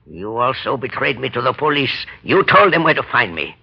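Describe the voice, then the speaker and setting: A man's voice: mid-range voice, sing-song, normal speed, vocal fry, husky, exaggerated voice. An actor playing a cold, vengeful male ex-convict in a 1930s radio drama, with a menacing, hard-edged delivery. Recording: dull lo-fi 1930s radio broadcast.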